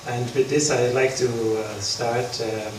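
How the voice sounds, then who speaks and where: A man from the Netherlands, a Buddhist monk, giving an unprepared talk at an interfaith forum, halting with many pauses. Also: mid-range voice, fairly even intonation. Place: large hall. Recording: echoey hall from far off, background noise.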